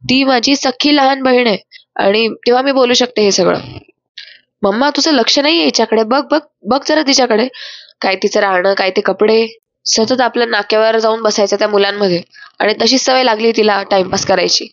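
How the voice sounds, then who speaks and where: A woman voicing a sharp-tongued older sister who accuses and taunts, read plainly in a narrated serial recap. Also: fairly high pitch, normal speed, no room sound, natural voice. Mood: accusing. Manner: accusing, scornful. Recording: dry, slightly dull voice-over.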